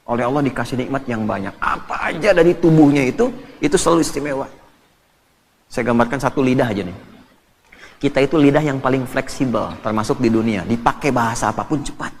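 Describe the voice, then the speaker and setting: A man preaching a sermon, telling stories in an animated, joking way. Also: mid-range voice, gravelly, slight background noise. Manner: animated and joking, lively storytelling with laughs. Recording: distant reverberant hall, faint ambience.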